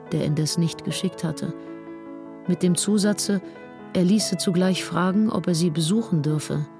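A woman's voice: lowish voice, natural voice. Woman playing a sober, restrained grieving 19th-century woman. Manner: measured, sober, formal. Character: grieving 19th-century woman recounting her companion's death in writing. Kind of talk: scripted literary reading.

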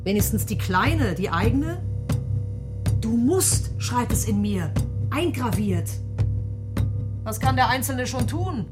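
An actress playing a torn, brooding and defiant inner voice in a literary radio play, speaking in deliberate, emphatic short phrases. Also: female voice, fairly high pitch, lively intonation. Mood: exhausted, defiant. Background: prominent music.

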